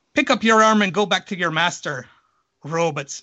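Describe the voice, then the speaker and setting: A man puts on a character voice in an Irish accent, pitched high and delivered at a moderate pace. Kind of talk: gruff, commanding.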